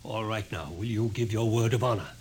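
An actor playing a coolly sardonic, authoritative scientist in a 1950s radio drama, speaking in measured, probing lines. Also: male voice, fairly low pitch, close to an everyday voice. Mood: firm, commanding. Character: commanding male scientist, coolly sardonic, explains things calmly. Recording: noisy old 1950s radio recording.

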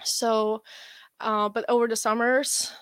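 A young woman with an Estonian accent, a guest athlete chatting in an interview, relaxed and rambling with many fillers. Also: on the high side, slow, clear, resonant tone, dry recording. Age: young adult. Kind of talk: casual interview chat.

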